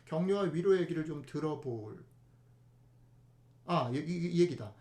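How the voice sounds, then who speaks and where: A man preaching a casual, conversational sermon in a high, animated voice that swings widely in pitch. He keeps turning to the congregation with rhetorical questions. The sound carries a roomy echo from the church. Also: measured pace. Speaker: pastor.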